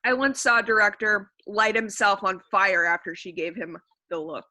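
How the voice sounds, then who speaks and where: A woman's voice: medium pitch, steady tone, moderate pace, bright, forceful tone, dry recording, close to an everyday voice. A woman playing a brash, dramatic actress out drinking with friends in a comedy sketch, blunt and given to exaggeration. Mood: brash, grumbling.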